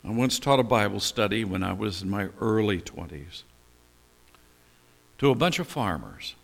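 A man's voice: fairly low pitch, expressive, moderate pace, creaky, a bit bright, soft background music. An older man preaching as a pastor, teaching through a Bible passage in a conversational way and posing questions that he then answers himself. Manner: conversational, asks and answers his own questions. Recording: long hall reverb.

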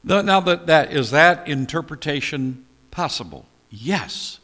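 A man's voice: a little high, lively intonation, unhurried, bright, forceful tone. An older man preaching as a pastor, teaching through a Bible passage in a conversational way and posing questions that he then answers himself. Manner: conversational, asks and answers his own questions. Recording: long hall reverb.

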